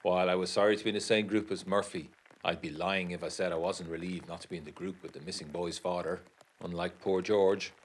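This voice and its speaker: A deep-voiced gentleman of the 1920s, played by a male actor, narrating a gothic audio drama letter. He is formal and measured, with an educated, literary turn of phrase and an undercurrent of unease. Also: steady tone, a little hiss or hum, close to an everyday voice. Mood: sombre, descriptive.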